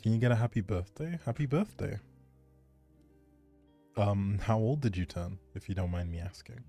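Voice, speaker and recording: A man's voice: fairly low pitch, moderate pace, warm tone, breathy edge, soft background music. A man chatting casually and thinking aloud on a gaming livestream, easygoing and polite. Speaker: video game livestreamer.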